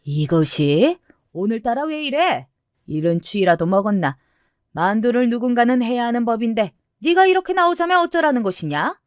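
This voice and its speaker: A woman's voice: on the high side, very animated, normal speed, no room sound, studio quality, pitched above the performer's own voice. A stern scolding grandmother, as a woman narrator puts her on. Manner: scolding, commanding. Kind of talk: storybook narration.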